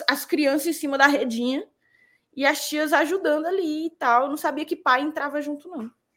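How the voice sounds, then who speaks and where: A woman's high-pitched voice, fairly even in intonation, at a moderate pace. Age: 20s. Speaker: football fan channel co-host. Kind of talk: live stream football chat.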